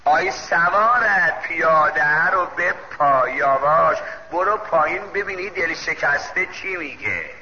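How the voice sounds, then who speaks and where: A preacher voicing a solemn male archangel, speaking in a lowered voice, in a dull, echoey hall recording. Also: hardly any pauses, bright, forceful tone, slight background noise. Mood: commanding.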